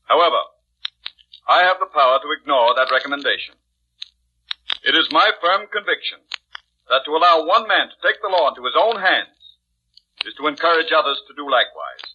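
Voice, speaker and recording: A man's voice: fairly high pitch, lively intonation, brisk, pauses often, pushed and bright, slight background noise. A man playing a stern, unbending judge in 1940s radio drama style. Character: stern, unbending male judge passing sentence. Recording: dull, muddy vintage radio recording.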